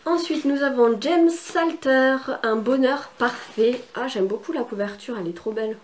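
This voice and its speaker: Chatty woman unboxing books, slightly high. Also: moderate pace, darkish tone, a little hiss or hum. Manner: chatty, enthusiastic, many fillers. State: has a cold. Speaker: book vlogger. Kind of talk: casual unboxing chat.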